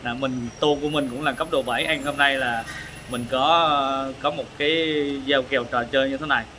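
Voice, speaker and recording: A man in his thirties hosting a casual food review while eating, speaking haltingly with hesitations and repeated words. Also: medium pitch, fairly even intonation, sharp tone. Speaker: food vlog host. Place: open-air casual restaurant. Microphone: camera across the table. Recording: noisy eatery ambience, traffic.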